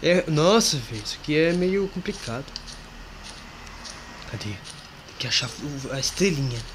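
Excitable male gamer, lively swooping voice, faint hiss behind. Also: on the high side, measured pace. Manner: excitable, yelps at jump scares, talks to viewers and a friend. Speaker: gamer playing a horror game. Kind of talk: casual gameplay commentary.

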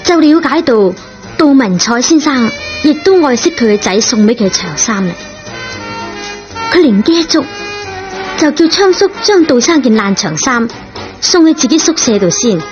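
A woman narrates a radio drama in a high, very lively voice. She reads like a storyteller over prominent music, on a slightly dull recording. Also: moderate pace, long pauses.

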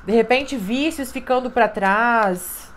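Lady doing a tarot reading, kinda high voice, emphatic, keeps saying né and sabe, a bit of background hiss. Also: slow pace. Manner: emphatic, repetitive, with frequent "né?" and "sabe?". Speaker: tarot reader. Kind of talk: intuitive tarot card reading.

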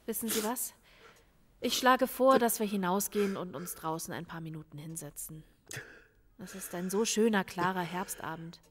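A woman acting in an audio drama as a composed police lieutenant, measured and reassuring. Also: on the low side, slight background noise, close to an everyday voice. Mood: soothing. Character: composed female police lieutenant calming a suspect.

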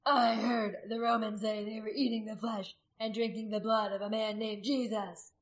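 A woman voicing a pompous male tribal orator in an audiobook, gravely declaiming charges. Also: medium pitch, steady tone, moderate pace, roomy sound, natural voice, low-quality recording. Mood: solemn, accusing. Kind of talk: dramatic audiobook character acting.

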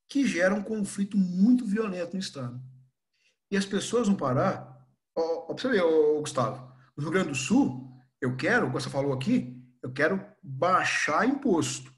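Animated high-voiced Brazilian teacher. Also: male voice, fairly quick. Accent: Brazilian Portuguese. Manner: animated, acts out scenes with voices. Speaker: history teacher. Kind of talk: lively online class lecture.

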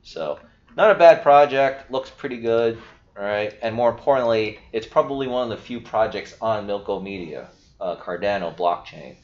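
A man's voice: on the low side, normal speed. A young man hosting a casual screen-share walkthrough of a crypto project, chatty and explaining as he goes, with lots of fillers. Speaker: crypto video host. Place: small room indoors. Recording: roomy, dull lo-fi sound.

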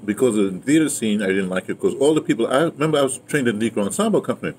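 A man's voice: mid-range voice, lively intonation, darkish tone. Rambling older New man, noisy outdoor recording. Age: around 70. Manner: rambling, halting, repeats and circles back to his point. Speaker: interviewee, theater and radio drama veteran. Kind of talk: casual reminiscing conversation. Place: outdoors in a yard beside a house. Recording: clear outdoor ambient noise.

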